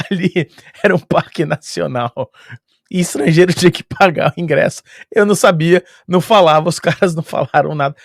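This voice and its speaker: A man with a Brazilian Portuguese accent telling a travel story in a casual, lively way, chuckling often and using sound-effect filler words. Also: medium pitch, no room sound, clean studio sound.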